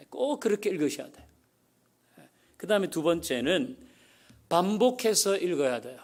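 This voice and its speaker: A man's voice: sits high, darkish tone. A middle-aged male pastor giving a folksy sermon, asking the congregation questions as he teaches. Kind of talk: sermon teaching on Bible reading.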